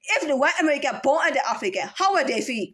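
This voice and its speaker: A woman from Myanmar talks to camera in a rambling monologue. Her voice sits high, and she keeps firing rhetorical questions and restarting her sentences. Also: sing-song, quick pace, fairly bright tone. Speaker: vlogger.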